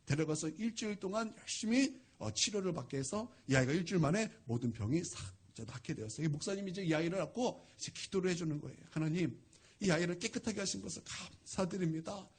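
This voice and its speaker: Korean pastor guy telling a sermon story, kinda high voice, husky, acts out the quotes. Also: fast talker, hardly any pauses. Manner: animated, acts out quoted dialogue. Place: church sanctuary.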